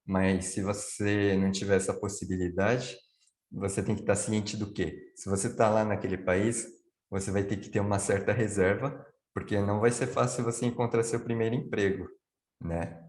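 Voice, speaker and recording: A man's voice: lowish voice, level tone, moderate pace, a little mellow, roomy sound. A man on a video call explaining things at length, answering his own questions as he goes. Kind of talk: live online Q&A chat.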